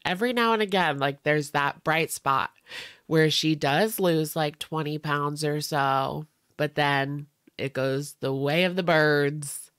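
A young woman with a low, smooth, clear voice talks through a reaction video in a chatty, sarcastic way. She sounds a bit stuffy-nosed. The recording is dry and close-miked. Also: slow, fairly bright tone, no room sound. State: stuffy nose. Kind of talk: casual commentary.

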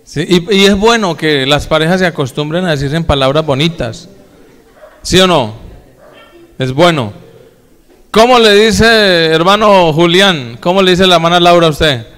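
A man's voice: a little high, expressive, normal speed, a bit bright, smooth. A male pastor preaching a sermon, talking casually to his congregation and asking them questions. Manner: folksy, addresses the congregation directly with questions. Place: church. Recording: echoey church hall with long reverb.

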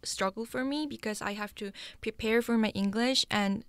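A woman's voice: fairly high pitch, moderate pace, clean tone, dry recording. A young woman, a university student, giggly and thoughtful in a casual discussion. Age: young adult.

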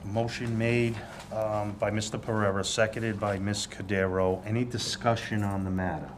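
Low-voiced man chairing a hearing. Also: little pitch movement. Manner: measured, procedural, deliberate. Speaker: licensing board chair. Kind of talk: formal meeting procedure. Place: city hall hearing room. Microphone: table microphone. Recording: noisy government TV meeting audio.

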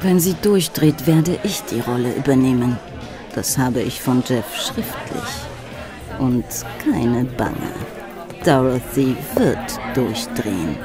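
Slow, teasing Hollywood starlet. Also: female voice, very deep voice, animated, full character voice. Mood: catty. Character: flirtatious, catty, ambitious Hollywood starlet. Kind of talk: German radio play acting. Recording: party crowd and music behind.

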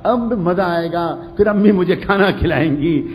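A man's voice: high voice, in a large hall, a little hiss or hum, close to an everyday voice. A man preaching in Urdu gives voice to a small homesick boy who calls eagerly and pleads to be let in. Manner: excited, pleading child's calls.

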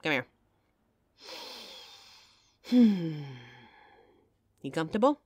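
A woman's voice: deep voice, animated, extremely slow, a little mellow, slightly rough, dry recording, exaggerated voice. A woman playing a caring young adult girlfriend in an audio roleplay, talking intimately and emotionally straight to the listener on a close mic. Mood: tender, reassuring.

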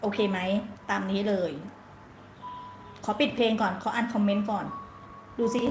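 A woman's voice: medium pitch, steady tone, normal speed, darkish tone, soft background music. A woman giving a casual live-streamed tarot reading, chatty and playful, with slang and frequent laughs. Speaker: tarot reader. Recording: echoey room with faint noise.

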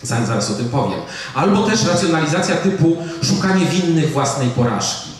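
A man's voice: on the high side, sing-song, brisk. A middle-aged man, a psychiatrist, giving a public lecture in a conversational way, often asking his audience "right?". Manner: conversational, with fillers and rhetorical "prawda?". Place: audiovisual hall of a museum. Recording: echoey hall, speaker far from the mic.

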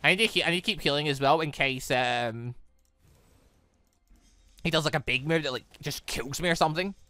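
A British gamer giving excitable, rambling let's play commentary and often breaking off mid-thought. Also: medium pitch, fairly quick, no room sound. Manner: excitable, rambling, self-interrupting. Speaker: gaming video host. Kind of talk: let's play commentary, reading dialogue aloud. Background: game music.

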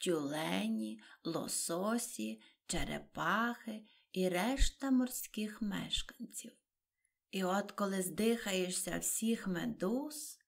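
A melancholy sea turtle creature who drags out its words in a slow singsong, fussy and lamenting, as a woman reads it aloud. The delivery rises and swells loudly on the chanted verses. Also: mid-range voice, creaky.

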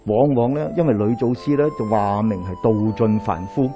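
A middle-aged Daoist priest with a Hong Kong Cantonese accent lectures in a small hall, speaking into a handheld mic. His voice is mellow, and he keeps throwing rhetorical questions to the room as he tells his stories. Faint music plays behind him. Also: fairly low pitch, normal speed. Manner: animated storytelling with rhetorical questions, pacing while gesturing. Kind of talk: lecture to a live audience. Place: small lecture hall indoors, in front of a screen.

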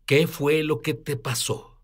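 A man's voice: on the high side, fairly even intonation, slow pace. A male host in a dubbed interview, speaking insistently and urging viewers to respond, recorded as a studio voice-over. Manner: insistent, exhorting. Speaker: show host.

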